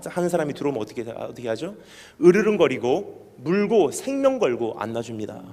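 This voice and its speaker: A man preaching a sermon as a missionary at a special church meeting. He keeps asking the congregation questions and swings from loud emphatic bursts to quiet, low lines. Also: big-room sound. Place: church hall.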